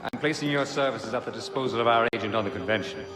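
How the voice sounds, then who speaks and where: A man's voice: medium pitch, fast, natural voice. An actor playing a commanding male grandmaster of a secret order in a video game, formal and authoritative. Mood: measured, commanding. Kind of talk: game dialogue acting. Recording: echoey hall, loud music behind.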